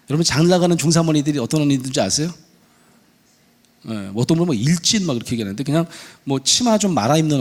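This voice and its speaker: This is a middle-aged male pastor delivering a sermon in a church. His voice sits somewhat high and moves all over the place. He tells a story vividly and slips into voices for the people in it. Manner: animated storytelling, acting out dialogue in voices. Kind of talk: sermon with acted-out stories. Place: church sanctuary.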